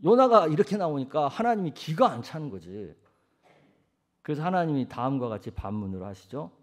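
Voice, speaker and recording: A male senior pastor preaching a sermon in a colloquial, storytelling manner, acting out scripture with lively emphasis. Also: fairly high pitch, brisk.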